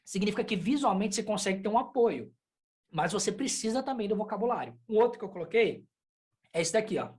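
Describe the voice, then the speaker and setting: A woman's voice: medium pitch, lively intonation, quick pace, a little mellow. A woman from Brazil, a sign language teacher, giving a casual online lesson and explaining with chatty examples and asides.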